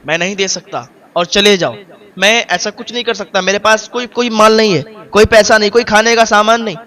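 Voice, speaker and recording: A man's voice: sits high, fairly even intonation, pushed and bright. A man voicing an evasive judge who curtly brushes off a poor man. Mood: dismissive. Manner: dismissive, curt refusals.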